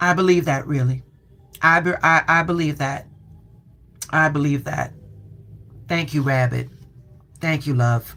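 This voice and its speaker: A man with an American accent speaks at a fairly slow pace in a fairly high pitch, leaving long, frequent pauses. Music plays in the background. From Chicago, South Side. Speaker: tarot reader, spiritual livestream host. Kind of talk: casual livestream chat. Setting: live video stream. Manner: halting, repeated words.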